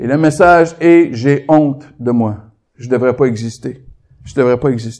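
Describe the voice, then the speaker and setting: The voice has a dark, mellow tone, moves at a moderate pace, and swings widely in loudness. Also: man, medium pitch for a man, ordinary pitch variation. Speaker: guest preacher. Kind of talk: sermon.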